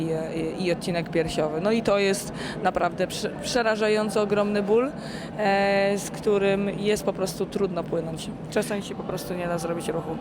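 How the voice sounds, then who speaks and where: A sleep-deprived woman athlete giving a casual interview, halting and searching for words. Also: lowish voice, very noisy. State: sleep-deprived after three days awake. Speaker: endurance swimmer being interviewed. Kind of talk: casual post-challenge interview.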